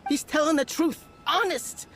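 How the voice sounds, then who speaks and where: A woman voicing a wary, cynical black-market dealer in an anime video game, streetwise and expressive. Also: high voice, normal speed. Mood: resigned. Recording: noisy game stream capture.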